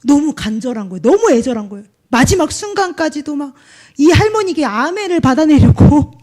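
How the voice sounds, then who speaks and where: A woman's voice: sits high, sing-song, fairly quick, darkish tone. A young woman preacher giving an earnest, emphatic sermon testimony in casual storytelling.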